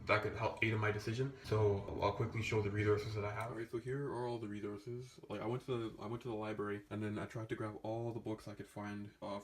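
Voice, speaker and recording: A man's voice: on the low side, slight background noise. A young man talking casually to camera as a language-learning vlogger, rambling and restarting his sentences. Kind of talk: casual vlog talk. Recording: echoey room.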